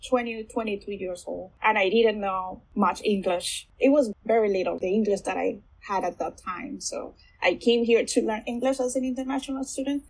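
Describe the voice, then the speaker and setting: A woman in her forties from Colombia, speaking English with a Colombian Spanish accent, enthusiastic and warm, often restarting her sentences as an interview guest. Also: medium pitch, steady tone, normal speed, few pauses, slightly rough, rough recording. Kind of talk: conversational interview.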